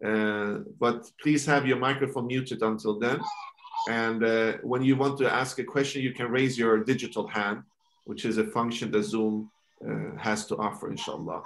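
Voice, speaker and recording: A man in his thirties with a medium-pitched voice moderates an online session. He speaks formally and courteously, with some halting. The sound is roomy and echoing, as on a video call from a kitchen. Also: fairly even intonation, slight background noise. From Sweden. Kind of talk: introducing an online panel discussion. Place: home kitchen indoors. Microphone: computer mic on a video call.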